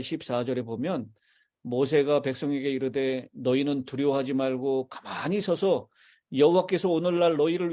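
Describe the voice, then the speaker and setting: Korean pastor preaching a measured sermon. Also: male voice, on the high side, mellow. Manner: measured preaching, asks the congregation questions. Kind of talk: sermon with congregation call-and-response. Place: church sanctuary.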